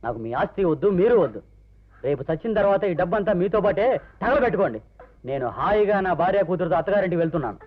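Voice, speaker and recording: A man's voice: sits high, lively intonation, fast. An actor playing an upright young man who firmly rebukes his greedy father in a film drama. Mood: reproachful. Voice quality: reproachful, firm. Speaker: grown son. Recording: thin tinny old film soundtrack.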